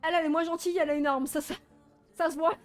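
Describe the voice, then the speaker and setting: Female game streamer, high voice, playful and self-mocking, chatty live commentary over faint music. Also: very fast. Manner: animated, frequent laughing and exclaiming. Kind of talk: casual live gaming commentary.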